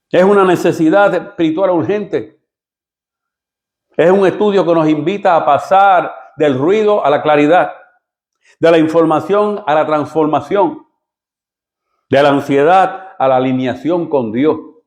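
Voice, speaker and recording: Pausing long and often, a man speaks at a fairly slow pace in a fairly high pitch, with ordinary pitch variation and very even loudness. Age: 60s. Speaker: pastor. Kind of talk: bible study. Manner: halting.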